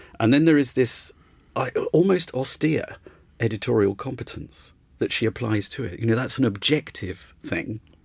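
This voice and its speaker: This man talks at a moderate pace in a medium pitch, his voice somewhat breathy and his intonation lively. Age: 60s. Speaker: playwright and novelist. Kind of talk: casual chat. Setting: studio.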